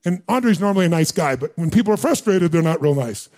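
Middle-aged guy on stage, high voice, punchy storytelling, acts out the dialogue, quizzes the crowd. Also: lively intonation, fast talker, darkish tone. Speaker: motivational speaker. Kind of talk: live seminar storytelling to an audience.

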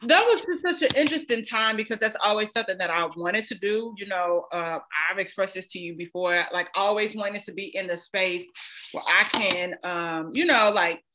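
Woman, podcast host, casual chatty interviewer, bright tone. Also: medium pitch, normal speed. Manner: relaxed, chatty, slangy.

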